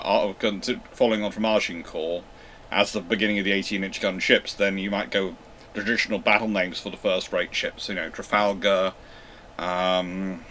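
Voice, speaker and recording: A man's voice: sits low, bright, forceful tone, slight background noise. Man answering questions, lots of ums. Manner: hesitant, many fillers and restarts. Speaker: naval history channel host. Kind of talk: live Q&A, reading and answering viewer questions.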